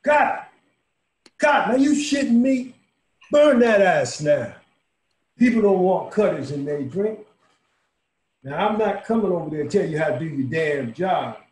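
A man's voice: animated, measured pace, long pauses. An older man reading a monologue as a brash, crude dying man at a bar, over a video call. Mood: brash yelling. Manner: brash, loud outbursts, then low confiding. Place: home room. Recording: echoey video call room.

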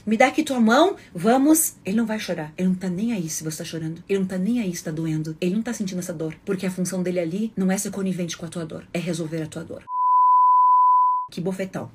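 A woman's voice: on the low side, very fast, hardly any pauses, background noise. A middle-aged woman with a Brazilian Portuguese accent, teaching as a self-development coach in an emphatic monologue full of rhetorical questions.

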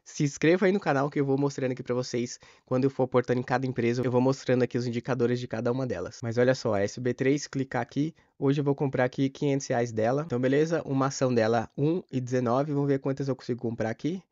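A man's voice: medium pitch, fairly even intonation, darkish tone, no echo, dull audio. A man in his thirties from Brazil with a cold, casually walking viewers through his investments, recorded at home on a desk mic. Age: 30s. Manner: quick, chatty, explaining figures to viewers. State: has a cold, voice a bit off. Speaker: finance YouTuber. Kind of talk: casual screen-share walkthrough. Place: small home studio, indoors. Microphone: desk mic in front of him.

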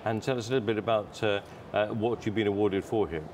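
A man's voice: lowish voice, fairly even intonation, fast, darkish tone, a little hiss or hum. A man in his forties interviewing a guest at a conference, repeating words as he builds his questions. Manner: stumbling, repeating words while forming questions. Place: exhibition booth studio set.

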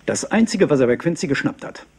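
An efficient police assistant reporting in a crime drama. His fairly high voice is animated in pitch yet businesslike, with faint noise behind it. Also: quick pace. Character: efficient, matter-of-fact male police assistant. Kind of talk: German-dubbed TV crime drama acting.

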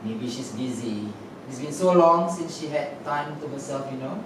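A man's voice: medium pitch, moderate pace, natural voice. A man with a Singaporean accent playing a teasing middle-aged trans woman aunt in a staged reading, full of sassy, mocking banter. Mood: bossy. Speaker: stage actor. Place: theater black-box stage with audience. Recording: roomy theater stage, distant mic, noisy.

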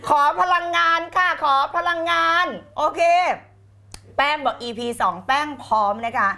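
A woman teaching the law of attraction on a live stream, energetic and emphatic, repeating key phrases and slipping in English words. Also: mid-range voice. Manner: mixes in English words, blunt slang.

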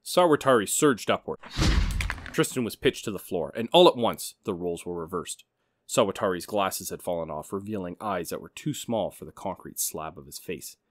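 A man's voice: sits low, animated, moderate pace, dry recording, clean studio sound. A man narrating an audio drama in a dramatic scripted storytelling style.

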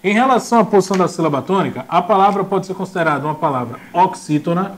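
Lecturing a class, this young man cracks jokes and performs small character voices with lots of energy. He speaks quickly in a high voice, with a little hiss or hum in the background.

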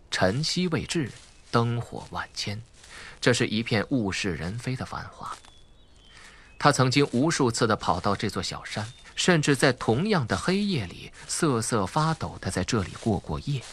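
Animated male audiobook narrator, Mainland Mandarin accent. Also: medium pitch, a little hiss or hum. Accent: Mainland Chinese Mandarin. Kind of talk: dramatic scripted narration of a crime thriller.

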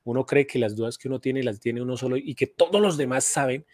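A man's voice: medium pitch, quick pace, a little mellow, no room sound, clean studio sound. A middle-aged man, a math teacher and video host, talking casually and earnestly on a live stream. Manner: earnest, advising, with restarts. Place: home studio. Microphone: studio mic on boom arm, headphones.

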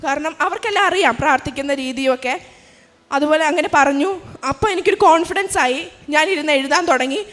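High-voiced young woman in an echoing hall. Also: fairly quick, fairly bright tone. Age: young adult. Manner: earnest, emotional storytelling. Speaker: nursing student giving a testimony. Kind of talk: personal religious testimony. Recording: long hall reverb.

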